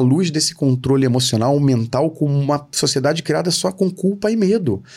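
Fairly high in pitch, a man speaks with a dark, mellow, somewhat breathy tone and lively intonation at a moderate pace. The recording is very clean, with a silent background. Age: 40s. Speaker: entrepreneur and marketing methodology creator. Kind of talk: podcast interview.

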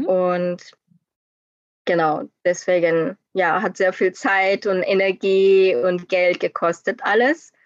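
Very slowly, a woman at a medium pitch speaks with a Korean accent. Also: ordinary pitch variation. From South Korea, Busan. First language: Korean (speaking German). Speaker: doctoral student. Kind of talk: interview.

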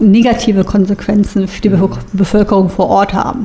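A woman speaks in an unremarkable speaking voice at a medium pitch. Her intonation is fairly even. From Germany, Düsseldorf. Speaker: lawyer. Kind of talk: interview.

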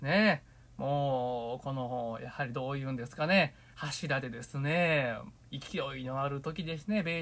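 A man speaks with a Kansai accent. His pitch variation is ordinary. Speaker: rakugo storyteller, podcast host. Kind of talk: reading a diary aloud with commentary. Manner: casual, relaxed with fillers.

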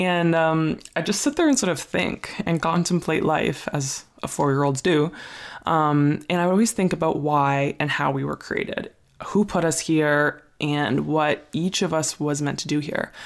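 Speaking at a fairly slow pace with a Canadian accent, a woman uses a very deep, low pitch and ordinary pitch variation. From Ontario, Canada. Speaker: podcast host, entrepreneur and business coach. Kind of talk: solo monologue, personal story. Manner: chatty, frequent fillers.

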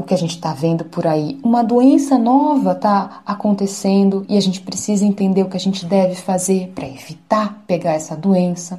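Speaking in an unremarkable speaking voice, a woman keeps a moderate pace. Her medium pitch carries lively intonation. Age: 30s. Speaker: journalism professor. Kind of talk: explaining to children.

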